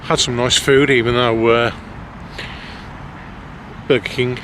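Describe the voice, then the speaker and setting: Male amateur vlogger, Black Country accent, hesitant and rambling casual delivery, mid-pitched voice over clear car noise. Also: flat delivery, slow, a bit bright. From West Midlands, England. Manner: hesitant, self-conscious, rambling. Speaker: amateur vlogger, lorry driver. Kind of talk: casual vlog chat to camera. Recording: clear road and vehicle noise.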